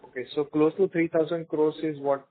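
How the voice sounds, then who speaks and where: A man's voice: fairly high pitch, flat delivery, fairly quick, a little hiss or hum. A man politely putting formal questions as an analyst on a business conference call. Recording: narrow phone-line sound.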